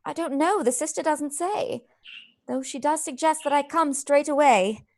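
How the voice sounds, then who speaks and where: A woman's voice: high voice, moderate pace, darkish tone. A woman playing a devoted, anxious young friend in a live radio play, with an emotional, solicitous manner. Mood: worried.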